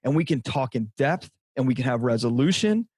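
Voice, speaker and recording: Middle-aged guy talking straight and emphatic, dry room, mid pitch. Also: lively intonation, brisk, a little mellow, husky, dry recording. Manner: emphatic, direct, repeats for stress. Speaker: podcast guest, coach. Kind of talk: conversational interview.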